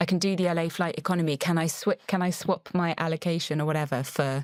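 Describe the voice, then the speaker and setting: In an English accent, a woman talks at a fairly quick pace and fairly low pitch with ordinary pitch variation, the sound dry and close with no echo. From England. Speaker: actress. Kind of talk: casual chat.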